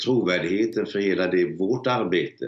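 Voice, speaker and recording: A man speaks fairly slowly at a fairly low pitch with fairly even intonation. Audible room echo surrounds him against a quiet background. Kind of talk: interview answer. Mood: concerned, measured. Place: home room. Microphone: video call.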